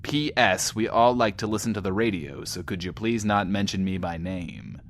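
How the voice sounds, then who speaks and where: A man's voice: lowish voice, normal speed, a bit bright, slight background noise, close to an everyday voice. A man playing a pompous, chatty post-apocalyptic radio host with a theatrical, self-important manner. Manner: theatrical, self-important, refers to himself in third person. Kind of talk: in-world radio show acting.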